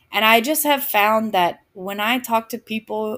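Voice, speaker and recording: A very clean recording with a silent background and ordinary pitch variation. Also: woman. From US South, Atlanta Georgia. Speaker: podcaster. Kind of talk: casual interview chat.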